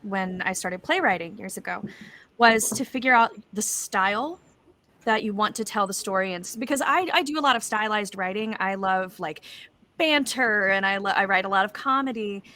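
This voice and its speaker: Mid-pitched woman chatting on a panel. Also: moderate pace, pushed and bright. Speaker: playwright and panelist. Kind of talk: casual panel talk.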